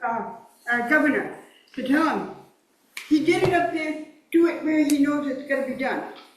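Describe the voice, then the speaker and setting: A woman with a high pitch speaks at a moderate pace, with fairly even intonation and long, frequent pauses, in a room with audible echo. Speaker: public commenter at council meeting. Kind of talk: public comment. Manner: halting. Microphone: too quiet.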